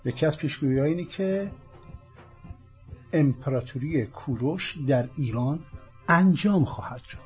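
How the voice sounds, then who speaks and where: A man from Iran with a Persian accent, hosting a political program as an emphatic, declamatory monologue in deliberate, repeated phrases. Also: fairly high pitch, lively intonation. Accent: Persian (Iranian). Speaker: host of a political talk program. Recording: dull lo-fi audio with music underneath.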